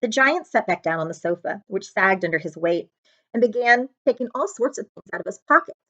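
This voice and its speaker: A woman's voice: mid-range voice, animated, brisk, a bit bright. Woman reading a storybook, slightly dull sound. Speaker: librarian reading aloud. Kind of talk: expressive storybook narration.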